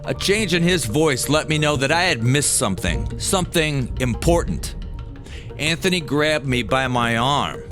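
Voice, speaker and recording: A man's voice: mid-range voice, animated, a little slow. An American man telling a personal story as scripted first-person narration. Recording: music behind the voice.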